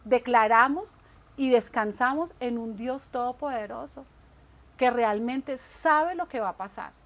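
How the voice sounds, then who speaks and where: A woman's voice: a little high, measured pace. A woman, co-hosting a Christian talk show, speaking earnestly about faith and often asking "right?" to check in. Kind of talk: faith-based casual conversation.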